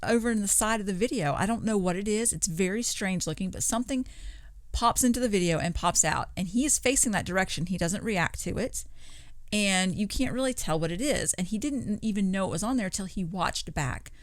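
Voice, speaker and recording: A woman's voice: mid-range voice, animated, brisk, no room sound. A woman co-hosting a podcast, casually retelling paranormal stories in a conversational, chuckle-prone way. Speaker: podcast co-host.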